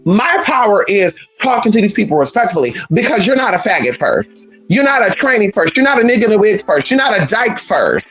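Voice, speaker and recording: A trans woman vlogging a blunt, profane, sassy rant in an emphatic, animated way. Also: medium pitch, a little fast, few pauses, husky, faint music behind, rough recording. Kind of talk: casual vlog rant.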